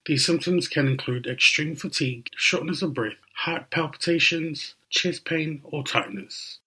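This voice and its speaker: A man hosting a podcast, reading his scripted introductions and info notes in a clear, measured way. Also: a little high, pushed and bright, low-quality recording. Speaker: podcast host. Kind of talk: scripted host narration. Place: radio studio.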